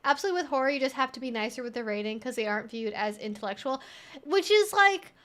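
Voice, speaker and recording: A woman's voice: high voice, expressive, fast talker, a bit bright. A young woman hosting a livestream, chatting in an informal, rambling way as she answers viewer comments. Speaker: livestream host.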